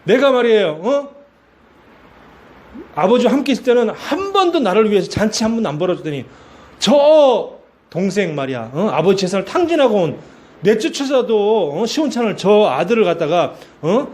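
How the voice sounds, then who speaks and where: A preacher acting out an indignant older brother. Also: male voice, sits high, sing-song, moderate pace, a little mellow. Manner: exasperated complaining, rising outbursts. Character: indignant older brother, grown man, resentful.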